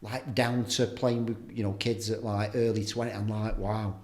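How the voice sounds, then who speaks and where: A man's voice: on the low side, little pitch movement, moderate pace, a little mellow. A man hosting a podcast, asking friendly questions and adding tag questions. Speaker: podcast host. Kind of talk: casual interview conversation. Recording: roomy echo.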